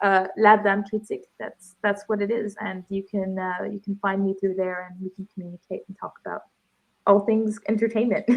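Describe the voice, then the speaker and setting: A woman speaks at a moderate pace in a Quebec accent, her pitch in the middle range. The sound is dry and close, with no echo. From Montreal, Quebec, Canada. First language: French. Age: 20s. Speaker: pageant contestant and entertainment critic. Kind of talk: podcast interview. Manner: animated.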